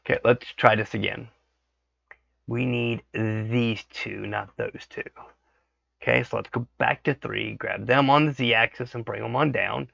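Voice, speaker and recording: Brief: hoarse man, bright gravelly voice, relaxed tutorial talk, dry dull desk-mic sound. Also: medium pitch, unhurried. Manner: thinks aloud, frequent "okay" checks. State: hoarse from a cold. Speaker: 3D modeling tutorial host. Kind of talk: casual screen-recorded tutorial.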